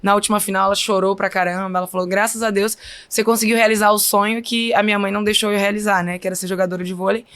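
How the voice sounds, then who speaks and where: A woman's voice: medium pitch, little pitch movement, racing, fairly bright tone, clean tone. A woman in her thirties with a Minas Gerais accent, telling stories as a guest in a podcast interview. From Brazil. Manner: chatty, often says "então, assim". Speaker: guest volleyball player. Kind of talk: casual interview storytelling.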